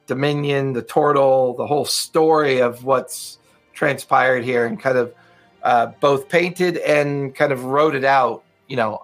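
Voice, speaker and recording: Male game master, relaxed narration full of fillers, mid-range voice. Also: mid-range voice. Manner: loose, filler-heavy narration.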